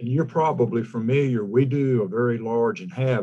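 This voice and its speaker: Here a man talks with a Southern US accent at a moderate pace. His voice sits at a medium pitch and has a dark, mellow tone. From South Carolina. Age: 50s. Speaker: wildlife biologist. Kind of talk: interview.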